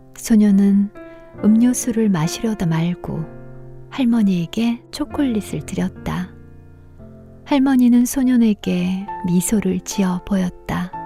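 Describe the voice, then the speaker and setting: Over background music, a woman speaks very slowly in a calm tone at a medium pitch, with ordinary pitch variation and long, frequent pauses. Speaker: singer and TV personality. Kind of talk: reading aloud of inspirational texts. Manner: soft, calm, comforting.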